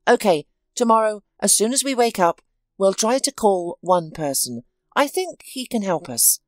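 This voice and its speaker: A woman voicing a steady, helpful male friend, speaking calmly and reassuringly in a storybook reading. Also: medium pitch, moderate pace, no room sound, studio quality, lightly acted.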